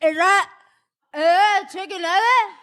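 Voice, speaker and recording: A woman's voice: very high-pitched, slow, a bit bright, exaggerated voice. A woman playing a silly, whining vampire in an improvised comedy radio play. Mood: alarmed. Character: silly, whining fast-food vampire under attack.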